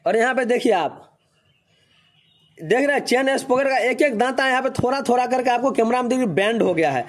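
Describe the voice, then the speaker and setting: A man's voice: extremely high pitch, lively intonation, brisk. A man, a bike mechanic walking viewers through a repair step by step and pointing things out as he goes. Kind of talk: how-to repair tutorial. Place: motorcycle workshop.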